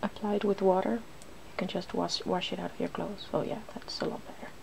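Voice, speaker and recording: A woman hosting an ASMR video, talking softly through a hands-on demonstration and slipping now and then into whispers. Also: on the low side, steady tone, a little fast. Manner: soft-spoken, slipping into whispers. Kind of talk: ASMR, soft-spoken makeup demonstration. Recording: clear background noise.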